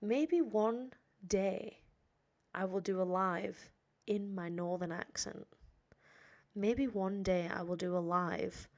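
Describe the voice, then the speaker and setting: A woman's voice: mid-range voice, slow, darkish tone, highs cut off. Nasal, tired northern English woman. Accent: northern English, Sheffield. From northern England. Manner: rambling, self-deprecating, frequent fillers. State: tired, hoarse. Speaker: English teacher. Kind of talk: casual live-stream chat.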